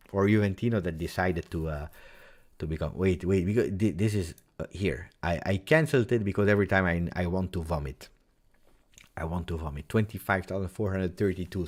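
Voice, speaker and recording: An Italian-accented man deep into a late live football reaction stream, low voice, dramatically repeating himself to his viewers. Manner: theatrical, emotional, with repeated phrases and dramatic pauses. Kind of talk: casual live-stream chat.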